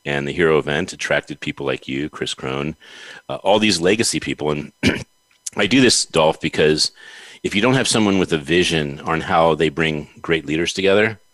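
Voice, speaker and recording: A man with a very low, deep voice hosts an interview show. He talks in an effusive, appreciative way and giggles often. His voice is dry and close, with no room echo. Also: moderate pace, fairly bright tone. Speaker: podcast host. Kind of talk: interview conversation.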